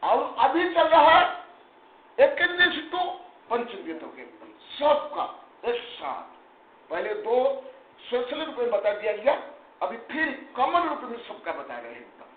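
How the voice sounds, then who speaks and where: A high-pitched man with a very lively, rising and falling voice teaches a scripture class, emphatic and scolding his students. The sound is echoey and thin like a phone line. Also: unhurried. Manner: emphatic, animated, chiding students, mixes English terms. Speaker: Jain monk teacher. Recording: echoey room, tinny phone-like sound, faint noise.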